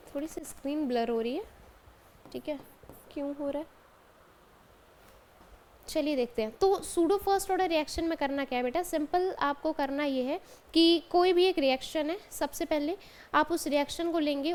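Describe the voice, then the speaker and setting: A woman with a high voice teaches chemistry in a college classroom. She explains step by step, keeps checking that her students follow, and talks to them kindly, like a teacher to her own pupils. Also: darkish tone. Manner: explains step by step, often adds "ठीक है" and calls students "बेटा". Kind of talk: classroom lecture.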